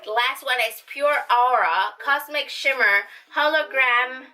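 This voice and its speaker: A woman reviewing products in a chatty vlog, with excited exclamations. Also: high voice, a little slow. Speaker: unboxing vlogger.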